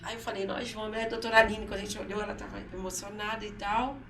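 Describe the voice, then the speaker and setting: In a council studio interview, a mother gives an emotional personal testimony, acting out her son's words and often repeating herself. Her medium-pitched voice stays steady as she talks fast, and she sounds far from the mic in a roomy space with crowd noise behind her.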